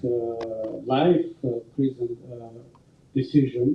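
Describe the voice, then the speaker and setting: A man speaks with music in the background. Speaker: politician. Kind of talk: unprepared conference speech. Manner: halting.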